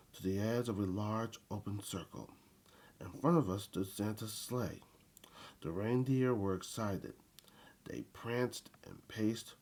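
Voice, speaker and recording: Deep, husky man reading a storybook. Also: a little mellow. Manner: halting reading with stumbles and repeated phrases. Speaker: storyteller reading a children's book aloud. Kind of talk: read-aloud children's Christmas story narration.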